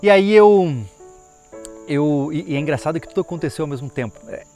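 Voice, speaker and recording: A man's voice: on the high side, a little fast, darkish tone, soft background music. A man sharing a personal conversion testimony in a casual, rambling way, often restarting and thinking aloud, with an earnest, emotional tone. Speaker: testimony speaker. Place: outdoors, insects and a plane audible.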